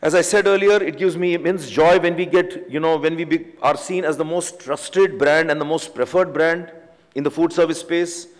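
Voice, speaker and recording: A man in his forties with an Indian English accent delivers an earnest business keynote, pressing his points and filling gaps with "you know". His voice sits a little high. He speaks into a podium microphone, and the sound rings in a large conference hall with a long reverb. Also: fairly even intonation, moderate pace. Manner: earnest, emphatic business advice, frequent "you know" fillers. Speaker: company chief executive speaking at a conference.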